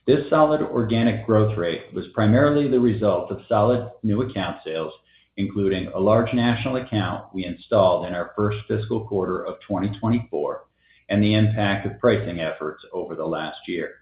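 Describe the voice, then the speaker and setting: A man's voice: fairly low pitch, moderate pace. A man in the role of a company finance executive, formally reading a scripted earnings presentation. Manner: formal, reading prepared figures. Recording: echoey, slightly dull conference call audio.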